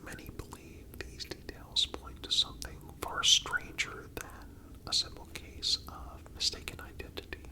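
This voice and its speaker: A narrator speaking entirely in a breathy whisper, reading a scripted story in ASMR style with deliberate, measured phrasing.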